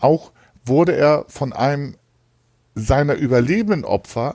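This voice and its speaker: A man's voice, dry and close with no echo. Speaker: true crime podcast co-host. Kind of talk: casual chat and case narration. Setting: remote recording over a line. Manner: calm, soothing.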